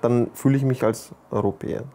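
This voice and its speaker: A man's voice: medium pitch, steady tone, brisk, mellow. A young man chatting casually in an interview, explaining himself through little examples. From Austria. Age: young adult. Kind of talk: casual chat, telling by example.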